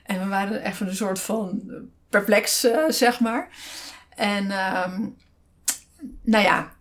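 A woman's voice: medium pitch, steady tone, slow. A woman co-hosting a casual podcast from a desk beside her partner, telling a story with many fillers and restarts. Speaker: podcast co-host.

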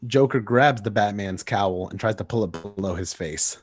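A man's voice: fairly low pitch, normal speed, slightly rough, no room sound. A man co-hosting a podcast, reading out comic stage directions plainly. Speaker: podcast co-host. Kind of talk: narrating comic panels.

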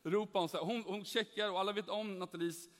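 An earnest young man tells a personal faith testimony and acts out the voices in his story. His voice sits fairly high. It rings with the long reverb of a hall. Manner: earnest, animated, acts out dialogue. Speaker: speaker giving a testimony.

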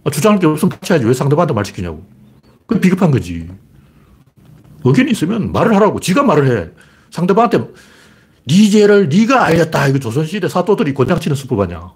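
A man's voice: a little high, huge pitch swings, fast, a little mellow, slightly rough. A man giving blunt, ranting political commentary in a casual monologue, firing off rhetorical questions.

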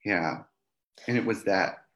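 Lively South African man laughing easily. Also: low-pitched, slow, highs cut off. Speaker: guest. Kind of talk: casual video-call chat. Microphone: video call.

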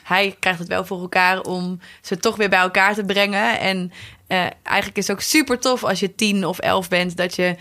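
A woman's voice: mid-range voice, fairly even intonation, normal speed, few pauses, bright, forceful tone. A woman with a Dutch accent chatting agreeably as a podcast co-host. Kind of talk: casual chat.

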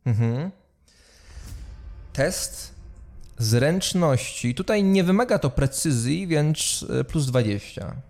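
A man's voice: fairly high pitch, animated, slow pace, pauses often, darkish tone. A man narrating a tabletop role-playing game as game master, blunt and pushy.

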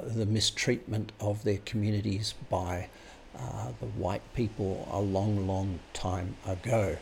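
A man's voice: fairly low pitch, creaky, a little mellow, a little hiss or hum. A man telling a long personal story in a rambling, hesitant, anecdotal way. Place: Sydney home base.

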